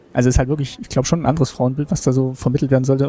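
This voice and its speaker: Somewhat breathy, a man speaks at a very fast pace. His tone is dark and mellow. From Thuringia, East Germany (Gera). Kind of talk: casual chat. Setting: walking through a museum.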